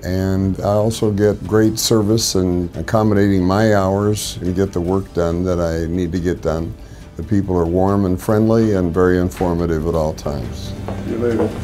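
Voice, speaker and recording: A man's very deep, low voice at a moderate pace, with ordinary pitch variation and music in the background. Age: 70s. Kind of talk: testimonial interview answer.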